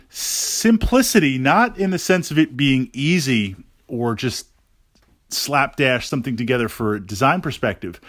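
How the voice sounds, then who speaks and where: A man giving a casual podcast monologue as a gaming host, thinking aloud haltingly and repeating words for emphasis. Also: mid-range voice, fairly bright tone, no room sound, studio quality.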